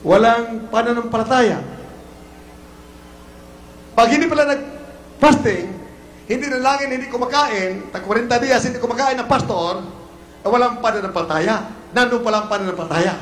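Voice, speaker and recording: A Filipino man preaching a fiery sermon with a very high voice, bursting now and then into shouts. He is heard in an echoey hall with faint noise behind. He is the pastor at the pulpit. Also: moderate pace, pauses often. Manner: preaching with sudden shouted exclamations.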